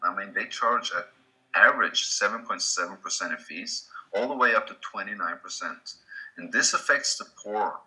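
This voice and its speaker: A man with a Swedish accent, a native Swedish speaker, giving a casual slide presentation with halting restarts. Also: fairly low pitch, sharp tone, rough recording. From Sweden.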